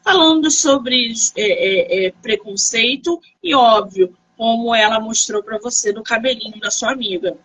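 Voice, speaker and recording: Woman host, bright and crisp, slightly high, encouraging. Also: a little slow, few pauses, low-quality recording. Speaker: interview host. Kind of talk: casual interview over a live stream.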